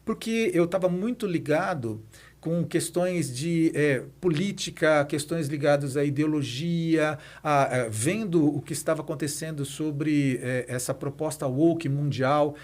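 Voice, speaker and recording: A man's voice: a little high, measured pace, a little mellow. A Brazilian man in his fifties telling his own story as a podcast guest, in a reflective, explanatory way. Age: 50s. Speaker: podcast guest, president of a nonprofit institute. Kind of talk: conversational interview answers, personal storytelling.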